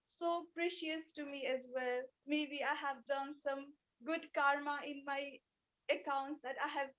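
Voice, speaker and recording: A woman who is a non-native English speaker, giving a rehearsed personal speech in an earnest, emotive way with deliberate repetition. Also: high voice, fairly bright tone, rough recording. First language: not English. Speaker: speech club participant giving a practice speech.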